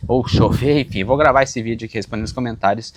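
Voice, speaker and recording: A man's voice: mid-range voice, quick pace, a little hiss or hum. A man with a southern Brazilian accent from Santa Catarina, talking casually and emphatically to his viewers as he answers comments, recorded outdoors. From western Santa Catarina, southern Brazil. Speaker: YouTuber on public service exam preparation. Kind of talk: casual direct-to-camera commentary, responding to comments. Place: outdoors on a small farm.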